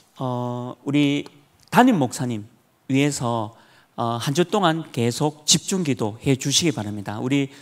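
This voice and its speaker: This man talks with ordinary pitch variation and a fairly slow pace. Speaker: pastor leading a session. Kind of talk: sermon. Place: church. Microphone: handheld.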